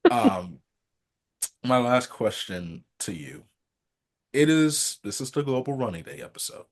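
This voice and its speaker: A man hosting a podcast interview, telling stories in a lively, laughing way. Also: mid-range voice, measured pace. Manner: animated, laughing storyteller. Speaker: podcast host. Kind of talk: casual interview chat.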